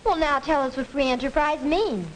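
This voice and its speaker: A young woman acts as a pointed, skeptical high school student in a debate, performing in the style of a 1940s educational film. She argues at a normal pace in a natural voice. The audio is poor, with the hiss of an old film soundtrack.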